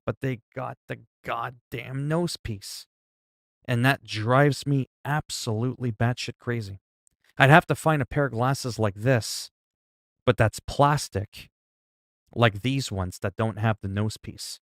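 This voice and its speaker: A man's voice: mid-range voice, slow pace, creaky, a bit bright, dry recording, studio quality. A man in his forties chatting casually and profanely with stream viewers, rambling and explaining things with everyday examples. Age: 40s. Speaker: livestreamer.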